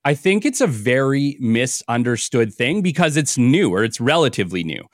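A man's voice: medium pitch, very animated, moderate pace, no echo. A male podcast host with an upbeat, enthusiastic delivery and an easy laugh. His mid-range voice sits close to the mic in a dry, dead-sounding space. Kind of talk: scripted intro reading, then casual interview chat.

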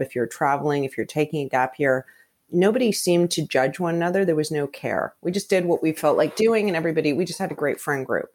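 A woman's voice: sits low, a little mellow. A Canadian woman in her fifties with Hungarian as her first language, telling her career story frankly and chattily as an interview guest. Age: 50s. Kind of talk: candid conversational interview.

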